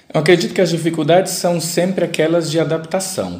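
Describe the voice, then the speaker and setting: A man talks at a fairly quick pace. Noticeable background noise and audible room echo are present. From Brazil, Federal District (Planaltina). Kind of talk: interview.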